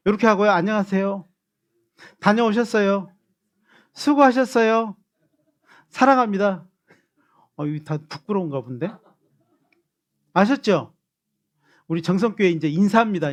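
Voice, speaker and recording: A man's voice: sits high, normal speed, long pauses. A man preaching as pastor, coaxing his congregation into greetings before closing in prayer. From Korea. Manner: animated, coaxing the congregation to repeat gestures.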